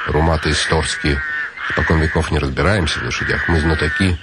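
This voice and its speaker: A deep, brooding nobleman. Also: steady tone, fairly quick, very noisy. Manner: brooding, dryly ironic musing. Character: weary ironic nobleman, inner monologue. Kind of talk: radio play inner monologue.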